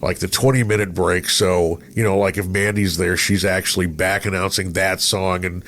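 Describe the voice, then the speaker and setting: A man's voice: deep voice, level tone, normal speed, a bit bright. A middle-aged man hosting a casual conversational interview, telling stories and voicing his own thoughts as he goes. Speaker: podcast host, former radio programmer. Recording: noticeable background noise.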